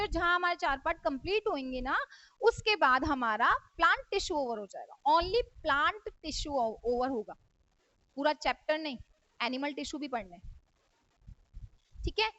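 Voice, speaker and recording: A woman with a high, slightly bright voice teaches a school science lesson as a classroom lecture. She asks her students questions and answers them herself, mixing English terms into her speech. The recording is dry and dull, with a lo-fi sound and no room echo.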